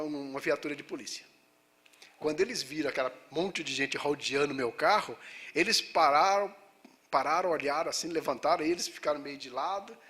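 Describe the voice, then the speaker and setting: A man's voice: fairly high pitch, a bit bright. A man with a Brazilian accent giving a spiritist talk, telling personal stories earnestly with frequent restarts. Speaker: spiritist lecturer.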